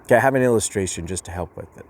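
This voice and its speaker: A man's voice: on the low side, very fast, slight background noise. A man giving a casual youth message as a pastor, speaking hesitantly with many fillers and restarts. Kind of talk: informal youth sermon with a story.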